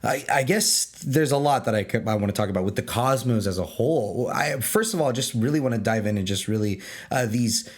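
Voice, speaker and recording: A man hosting a podcast roundtable, enthusiastic and halting, restarting his sentences often. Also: mid-range voice. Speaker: podcast host, lore keeper. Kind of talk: casual roundtable chat.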